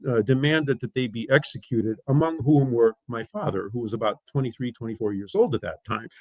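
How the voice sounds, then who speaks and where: Older man telling family history slowly. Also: mid-range voice, animated, no room sound. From United States. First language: Lithuanian. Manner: measured, pausing with "uh" between thoughts. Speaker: interview guest. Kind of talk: storytelling interview answers.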